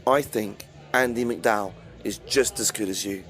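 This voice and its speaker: A man's voice: on the low side, normal speed, fairly bright tone, soft background music, close to an everyday voice. A man voicing a dry, teasing young woman on a film crew, speaking sardonically in a raised voice. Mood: sardonic. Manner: sardonic, mocking.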